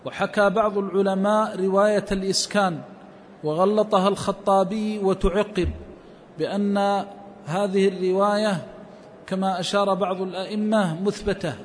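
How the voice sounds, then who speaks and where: A man explaining a religious text line by line in a measured scholarly lesson, quoting scholars and verse. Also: sits high, steady tone, long reverb tail, a little hiss or hum. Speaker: Islamic scholar teaching a hadith text.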